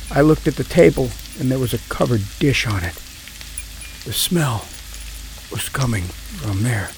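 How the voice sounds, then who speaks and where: A man's voice: medium pitch, slight background noise. A man playing a volatile, out-of-work, drinking husband who swings between rage and pleading, and also narrates the story in the first person.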